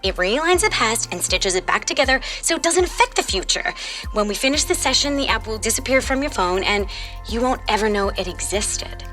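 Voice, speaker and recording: A woman's voice: a little high, lively intonation, fairly quick, bright, forceful tone, soft background music. A woman playing a sassy, world-wise fifteen-year-old girl from the future in an audio drama, with casual, sarcastic phrasing. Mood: confident, teasing. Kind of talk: audio fiction drama acting.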